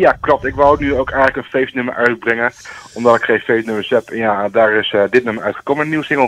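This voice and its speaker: A man's very fast speech at medium pitch, with ordinary pitch variation, a dry, close sound with no echo, and noticeable background noise. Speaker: singer. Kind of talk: casual interview.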